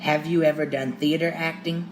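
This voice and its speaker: A man's voice: fairly high pitch, little pitch movement, normal speed, music in the background. A man from Louisiana with a strong Southern accent, hosting an interview in a friendly way and often agreeing. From Louisiana, United States. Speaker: podcast host. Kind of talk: podcast interview.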